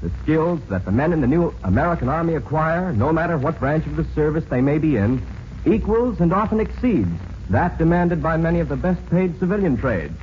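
A man's voice: a little high, animated, a little fast, a little hiss or hum. A male announcer reading a script formally and emphatically in 1940s radio style, on a muffled old recording.

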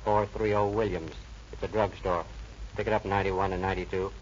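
An actor playing a male police radio dispatcher, heard over a car radio loudspeaker, calling cars in a clipped delivery in an old-time radio drama. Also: low-pitched, a little fast. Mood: urgent. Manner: clipped, flat call-out delivery. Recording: dull lo-fi old recording with loud hiss.

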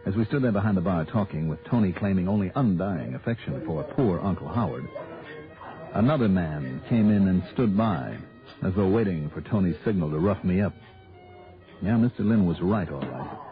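A man's voice: low voice, expressive, brisk. An actor playing a wisecracking hardboiled investigator who narrates his case, in a 1960s radio drama. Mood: narrating. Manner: dry, wisecracking, clipped. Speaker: narrator and lead detective. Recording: tinny old radio broadcast with music.

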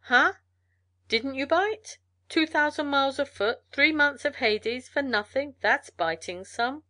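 A woman's voice: medium pitch, normal speed, fairly bright tone, dry recording, studio quality, close to an everyday voice. A woman voicing a bitter, quarrelsome male gold prospector in a storybook, blunt and clipped in speech. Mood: angry, accusing. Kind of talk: storybook character voice in narration.

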